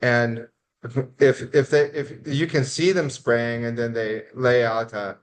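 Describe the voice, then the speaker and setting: A man from California with an American accent, co-hosting a conversational interview in a halting way. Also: mid-range voice, steady tone, low-quality recording. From California, United States. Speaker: interviewer, show co-host.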